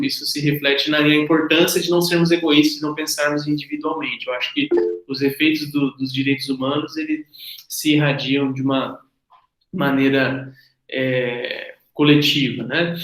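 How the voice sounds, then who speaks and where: Male moderator, Brazilian accent, fairly high voice, measured academic phrasing, roomy echo on the call. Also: a bit bright. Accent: Brazilian Portuguese. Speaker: moderator of an online class. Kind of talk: reflective discussion. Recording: roomy, echoing online call.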